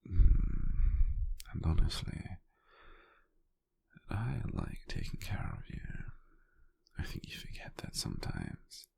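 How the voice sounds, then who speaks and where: A British man playing a gentle, doting, teasing lover in an intimate, breathy, half-whispered ASMR roleplay, close to the microphone. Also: extremely low pitch, huge pitch swings, no echo, heavily acted. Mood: tender, soothing. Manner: slow, tender, softly teasing.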